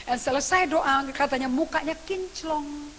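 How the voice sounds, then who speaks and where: A woman pastor, preaching a sermon and telling a story in an animated way, acting out what people said. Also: high voice, unhurried. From Indonesia. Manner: animated storytelling with acted quotes. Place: church. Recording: long reverb church hall with faint hiss.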